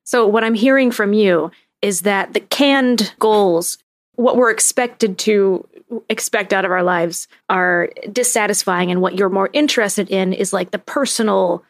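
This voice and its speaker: A woman co-hosting a casual podcast, playful and joking. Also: medium pitch. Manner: playful, joking, quick asides. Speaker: podcast co-host. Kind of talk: casual chat.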